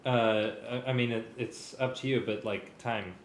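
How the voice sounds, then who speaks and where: A man's voice: mid-range voice, steady tone, normal speed, echoey room, a little hiss or hum. A man in casual working chat about arranging, hesitant and often trailing off. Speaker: music collaborator.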